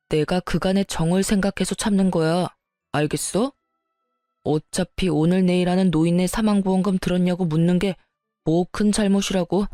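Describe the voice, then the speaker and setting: A woman's voice: fairly low pitch, dark tone, dry recording, clean studio sound, lightly acted. A woman voicing a rude, hot-tempered husband who blusters and hurls insults. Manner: blustering, abusive.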